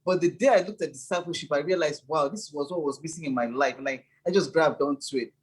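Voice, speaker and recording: A woman's voice: sits low, quick pace, slightly rough. A middle-aged woman, a church leader and former lawyer, earnestly recalling her early years in an interview answer. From Nigeria. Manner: earnest, enthusiastic, repeats words as she builds up.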